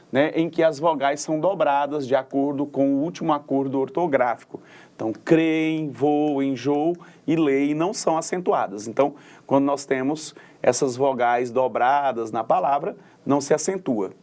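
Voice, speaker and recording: A man's voice: mid-range voice, darkish tone. A middle-aged man gives a recorded grammar lesson, explaining patiently and repeating terms, often adding "né" and "ó". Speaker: teacher.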